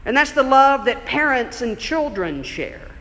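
A man preaching a sermon in a church, conversational and explanatory, slowing down for emphasis. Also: extremely high pitch, very animated, fairly bright tone, a little hiss or hum. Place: church sanctuary. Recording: long church reverb.

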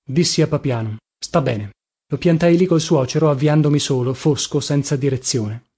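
Uomo che narra un romanzo in prima persona. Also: male voice, on the high side, brisk, husky. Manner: expressive, dramatic reading. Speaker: audiobook narrator. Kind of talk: first-person literary narration.

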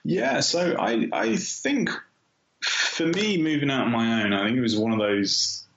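A man's voice: medium pitch, a little slow, a bit bright, a little hiss or hum. A middle-aged man talking casually as an interview guest, acting out his own thoughts as he tells his story. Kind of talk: casual conversational interview answers. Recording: muffled, roomy, echoing sound.

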